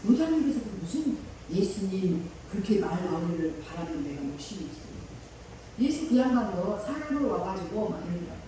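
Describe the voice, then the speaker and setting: A woman pastor giving a chatty sermon, with laughing asides and slow scripture reading. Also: mid-range voice, warm tone, slight background noise. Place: church sanctuary. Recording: echoey hall from far off.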